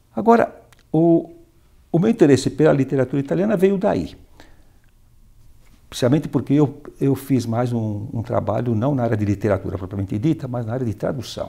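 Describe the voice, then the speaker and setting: Lively in intonation and dark and mellow in tone, a man's medium-pitched voice moves at a fairly quick pace with long, frequent pauses. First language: Italian (speaking Portuguese). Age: 70s. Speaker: retired mining engineer and literature scholar. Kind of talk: TV interview. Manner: halting, with fillers and restarts.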